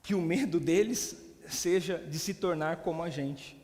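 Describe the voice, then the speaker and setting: A Brazilian pastor preaching a sermon as a story, animated and playful, with comic repetition and mock disbelief. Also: male voice, fairly high pitch, measured pace. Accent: Brazilian Portuguese. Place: church. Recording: long reverb of a church hall.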